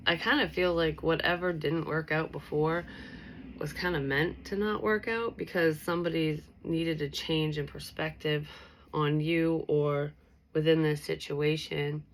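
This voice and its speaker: A woman's voice: deep voice, slight background noise. A woman giving a casual tarot reading to her viewers, sounding stuffy and nasal from allergies, rambling with lots of fillers. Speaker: tarot reader.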